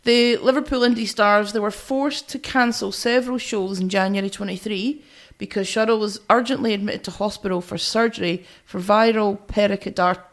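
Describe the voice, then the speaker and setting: A woman's voice: medium pitch, fairly even intonation, normal speed. A woman co-hosting a music podcast, chatting and reviewing in a blunt, teasing way with some swearing. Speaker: podcast co-host.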